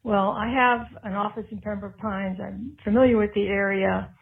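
A woman's voice: medium pitch, steady tone, moderate pace, vocal fry. A woman calling in by voicemail, explaining a point in a matter-of-fact way. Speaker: voicemail caller. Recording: tinny phone-line voicemail.

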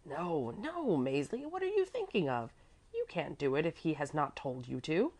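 A woman's voice: sits low, sing-song, normal speed, darkish tone. Woman acting a fretful, swooping-voiced minder. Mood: alarmed. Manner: fussing, flustered scolding. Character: anxious, fretful woman minding a little girl. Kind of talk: children's storybook character voice.

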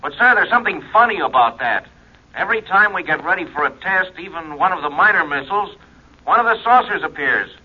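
An actor playing a dutiful military security officer who reports crisply and deferentially in a 1950s radio drama. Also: male voice, sits high, animated, fairly quick. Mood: dutiful, wary. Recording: dull, faintly noisy 1950s radio recording.

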